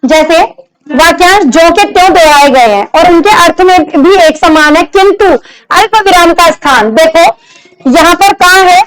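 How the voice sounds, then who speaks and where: A woman's voice: very high-pitched, normal speed, low-quality recording. A woman teacher giving a classroom lecture on grammar, explaining step by step, repeating examples and putting questions to her students.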